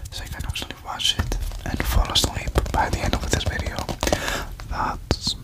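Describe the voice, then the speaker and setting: Someone whispers with long, frequent pauses. Noticeable background noise is present. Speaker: ASMR artist. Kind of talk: ASMR whispered rambling. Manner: whispered.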